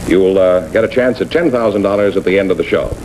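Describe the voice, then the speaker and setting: A man's voice: low-pitched, quick pace. An American man announcing and explaining rules on a 1950s TV quiz broadcast. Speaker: quiz show announcer and co-host. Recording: noisy old 1950s television broadcast.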